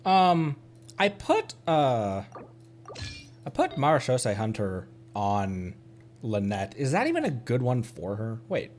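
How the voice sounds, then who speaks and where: A man's voice: medium pitch, wildly swooping pitch, takes it slowly, a little mellow, a little hiss or hum. A man doing casual live game commentary, playfully muttering to himself and chatting to his viewers. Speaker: streamer.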